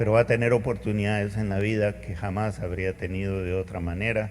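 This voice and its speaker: A man talks at a moderate pace with a fairly low pitch. Some room echo can be heard. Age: 60s. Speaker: preacher. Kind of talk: sermon.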